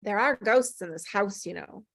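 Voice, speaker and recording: A woman's voice: medium pitch, normal speed, gravelly, a bit bright, no room sound. A woman playing an eerie, coyly innocent woman in white who needles and probes, in a scripted table read. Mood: coy, needling.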